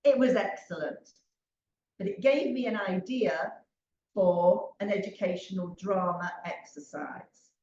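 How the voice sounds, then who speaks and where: An older woman training teachers, leading a slow, emphatic interactive drama exercise over a video call. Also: medium pitch, a little mellow, roomy sound, lo-fi sound. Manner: slow, emphatic, leads call-and-response chants. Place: home room on a video call.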